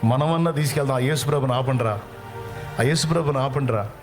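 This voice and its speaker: Preacher voicing rough scolding townsmen. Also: male voice, medium pitch, brisk, close to an everyday voice. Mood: urging. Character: rough crowd of men scolding a beggar. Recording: music playing behind.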